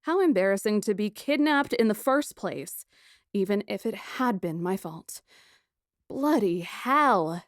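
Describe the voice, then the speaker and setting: A woman playing a plucky, sarcastic kidnapped young woman who narrates her ordeal in a first-person audiobook, wry and expressive. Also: mid-range voice, a little slow, no room sound, clean studio sound, natural voice.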